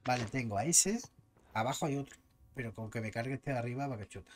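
A man's voice: medium pitch, quick pace, a little hiss or hum. Swearing Spanish let's-play man. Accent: Spain Spanish. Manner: chatty, swears freely, bursts out loudly at surprises. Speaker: gameplay commentator. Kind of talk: casual let's-play commentary.

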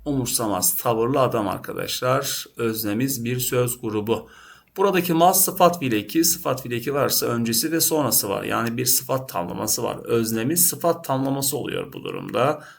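A man's voice: medium pitch, animated, moderate pace, vocal fry. A man teaching a lesson, working through test questions by asking and answering them himself and often addressing his students. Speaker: Turkish teacher.

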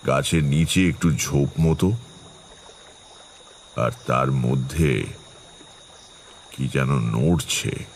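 Very deep-voiced tantric storyteller. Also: male voice, a little hiss or hum, exaggerated voice. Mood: reflective, suspenseful. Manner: measured, atmospheric, self-assured. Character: Taranath, seasoned confident male tantric recounting eerie tales. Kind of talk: dramatic first-person horror storytelling. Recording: music behind the voice.

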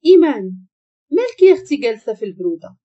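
A woman with a Moroccan accent voicing a kind young man who asks gently after someone. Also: fairly high pitch, sing-song, racing, lo-fi sound. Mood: concerned. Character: kind, concerned young man helping a friend.

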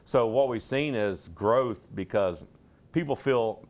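A middle-aged pastor gives a TV studio interview on a lapel mic. His medium-pitched voice is slow and a little mellow, and he talks in a plain-spoken, rambling, folksy way.

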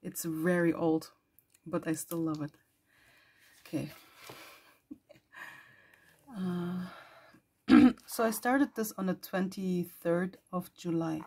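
A woman with a hoarse, worn voice who is losing it, chatting casually while flipping through her journal and clearing her throat often. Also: fairly low pitch, steady tone, slow pace, long pauses, darkish tone. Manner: rambling, chatty with small laughs and throat clearing. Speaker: journal vlogger.

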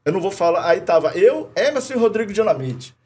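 A middle-aged man from Rio de Janeiro with a Carioca accent, telling animated anecdotes full of slang, swearing and laughter as a podcast guest. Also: high-pitched, quick pace, husky. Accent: Carioca Portuguese. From Rio de Janeiro, Brazil. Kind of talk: casual chat, storytelling. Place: podcast studio.

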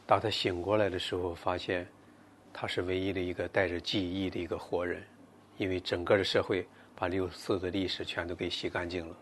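A man with a low, level voice answers questions at a bookshop event. He talks in a measured, reflective way into a table microphone, with a faint background hum. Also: little pitch movement. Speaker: author. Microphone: table mic.

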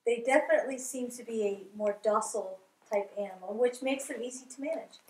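A woman interviewer asking slow, careful questions from off camera. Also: fairly high pitch, roomy sound, poor audio.

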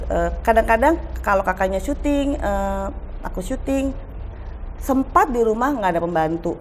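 A middle-aged woman chatting on a talk show, telling lively family stories and acting out dialogue. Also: fairly low pitch, slight background noise. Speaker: guest actress. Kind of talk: casual talk show chat.

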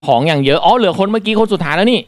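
A man with a fairly high-pitched voice talks through a mobile shooter in a relaxed, polite tone. Once the match starts he reacts loudly and excitedly to every hit and near miss. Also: racing, a little hiss or hum. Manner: polite explaining that turns into excited exclaiming during play. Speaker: mobile game reviewer. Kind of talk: casual gameplay commentary.

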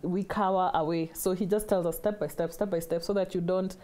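Mellow Kenyan woman explaining in an interview. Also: lowish voice, fairly even intonation, a little fast. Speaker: guest financial consultant. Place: TV studio.

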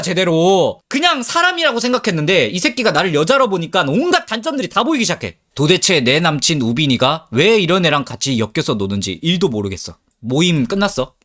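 A man telling a comedic dating story, acting out both sides and swearing freely as he goes. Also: on the high side. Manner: animated, acts out both sides with crude slang. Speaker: storyteller host.

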